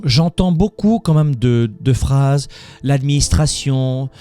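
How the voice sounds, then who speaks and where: A man's voice: mid-range voice, expressive, slow pace, mellow, smooth. Guy hosting a motivational call-in show, punchy, keeps repeating words, a little music faint behind him. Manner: emphatic, repeats words when building a point. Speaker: host taking live calls.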